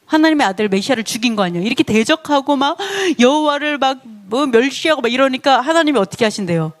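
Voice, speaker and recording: A woman giving a lively, playful Bible lesson who laughs often and keeps asking her listeners questions. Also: high-pitched, fast. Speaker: Bible teacher.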